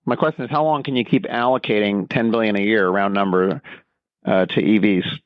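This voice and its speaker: Halting male analyst on a dull call line. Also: on the low side, steady tone, no room sound. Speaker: financial analyst asking questions. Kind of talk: spontaneous question on an earnings call. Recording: dull, band-limited conference call line.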